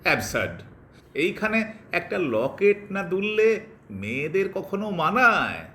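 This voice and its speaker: A man's voice: high voice, very animated, measured pace, sharp tone, slight background noise, heavily acted. A man playing a doting, teasing newlywed husband with romantic flourish in a theatrical Bengali audio drama. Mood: playful, flirtatious.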